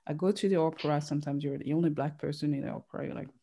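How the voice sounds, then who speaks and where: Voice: mid-range voice, steady tone, racing, warm tone. An interviewer chatting casually with a guest, talkative and laughing along.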